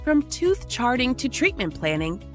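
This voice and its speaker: A woman reading a polished, upbeat scripted ad for software. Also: a little high, big pitch swings, normal speed. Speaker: ad voice-over. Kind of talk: scripted ad read. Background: music bed.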